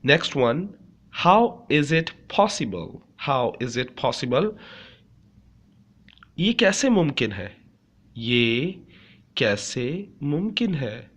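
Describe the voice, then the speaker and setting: A man with a South Asian accent, a native Urdu speaker, teaches beginners phrase by phrase, repeating himself and often checking that listeners follow. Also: mid-range voice. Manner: repetitive, frequently checking understanding with "okay". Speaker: language teacher. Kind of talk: beginner language lesson, explaining phrase by phrase.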